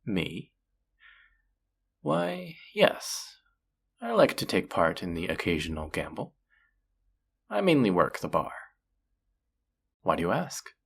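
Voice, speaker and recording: Someone voicing a teasing demon dealer, deep n breathy, flirty and possessive, intimate roleplay style, takes their time. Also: wildly swooping pitch, full character voice. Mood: taunting, teasing. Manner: teasing, taunting, slow and drawn-out. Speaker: voice actor in an audio roleplay.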